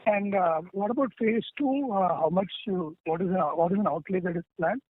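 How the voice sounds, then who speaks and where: A man's voice: high-pitched, moderate pace. A man with an Indian accent asking analyst questions on an earnings call, hesitant and often rephrasing. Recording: thin telephone line.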